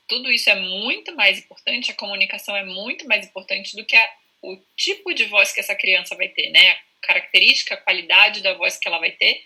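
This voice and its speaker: A Brazilian woman with a very bright voice and a husky edge talks over a video call. She explains patiently, as a speech therapist would, and often checks in with a quick tag at the end of her sentences. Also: medium pitch, low-quality recording. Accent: Brazilian Portuguese. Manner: calm, explanatory, frequent "né?" tags. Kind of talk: conversational explanation in a live video chat.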